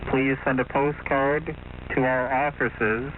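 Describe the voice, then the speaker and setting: A man playing a courteous, formal station announcer in an old-time radio style, measured in delivery, heard through a shortwave radio filter. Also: mid-range voice, level tone. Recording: noisy narrow-band shortwave radio.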